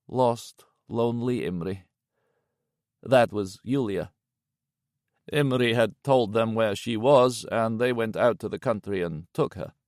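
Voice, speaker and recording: A grim, white-haired old man who speaks in a quiet, lifeless monotone, as an audiobook narrator puts him on. The voice sounds set apart from the narration and lands low and heavy. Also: no room sound, clean studio sound. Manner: dull, lifeless, quiet delivery.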